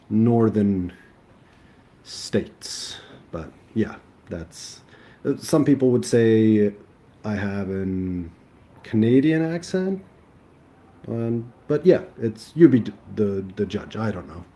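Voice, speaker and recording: Serbian guy rambling on a live stream, lots of ums, low mellow voice. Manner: hesitant, many ums and restarts. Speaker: livestream host. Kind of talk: casual live chat reading comments.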